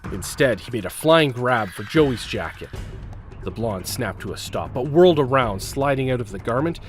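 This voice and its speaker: A man's voice: mid-range voice, lively intonation, normal speed, soft background music. A man narrating a scripted audio drama with intense, suspenseful delivery, broken phrase by phrase.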